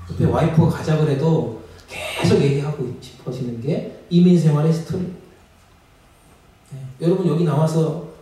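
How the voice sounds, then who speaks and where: A male pastor preaching a sermon, his fairly high, mellow voice rising to emphatic peaks as he calls out questions to the congregation. The sound rings through a church sanctuary, picked up from a distance. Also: fairly even intonation, moderate pace. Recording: echoey sanctuary, mic at a distance.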